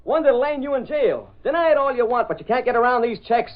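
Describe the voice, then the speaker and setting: An actor playing a brash, fast-talking young newspaper reporter in a 1930s radio drama. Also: male voice, extremely high pitch, animated. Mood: aggressive. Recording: tinny old radio transcription.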